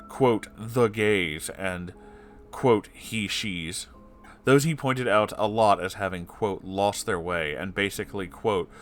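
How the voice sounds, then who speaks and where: A man, the host, reading a personal post aloud and breaking off into heated, profane asides with heavy sighs. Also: on the low side. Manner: swears a lot in angry, sighing asides between passages.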